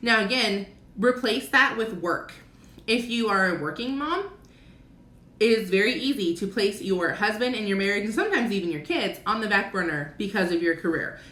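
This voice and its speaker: The voice has lively intonation, and there is audible room echo. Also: woman, medium pitch for a woman. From New Mexico. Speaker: homeschool coach and online content creator. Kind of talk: livestream talk to followers. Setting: live video stream. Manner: fast; chatty.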